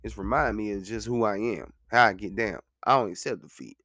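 A man's voice: lowish voice, a little fast, sharp tone, no echo, clean studio sound. A man in his thirties talking casually and earnestly about his own experience as a podcast host, repeating lines for emphasis and dropping in "man" and "you know what I'm saying.". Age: 30s. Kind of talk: casual monologue.

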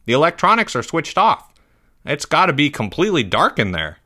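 A man acts a mild teenage worker in a storybook tale. He sounds casual and helpful, pitched up a little. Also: big pitch swings, fairly quick, pushed and bright, full character voice. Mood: mildly puzzled. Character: mild, helpful teenage boy truck employee.

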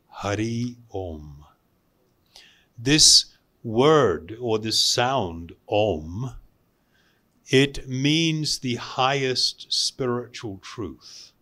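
Slow, bright-voiced male meditation teacher. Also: mid-range voice. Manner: unhurried, deliberate, with pauses between short phrases. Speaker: meditation teacher giving a talk. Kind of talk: spiritual talk to a group, instructional.

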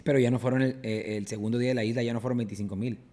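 Fast-talking podcast host man. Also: medium pitch, fairly even intonation, warm tone. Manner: quick, joking banter. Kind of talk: casual podcast chat.

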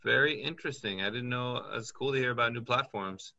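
A man's voice: mid-range voice, brisk, vocal fry, bright, forceful tone, lo-fi sound. A man working as a business consultant, talking in a chatty way and thinking aloud as he reads up on things during a call. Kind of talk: casual advice call.

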